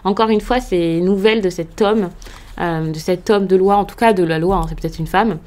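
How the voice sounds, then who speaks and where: A woman's voice: medium pitch, normal speed, darkish tone. A woman from France giving a casual tarot reading to camera, hesitant with frequent fillers and restarts, in a reassuring tone. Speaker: tarot card reader.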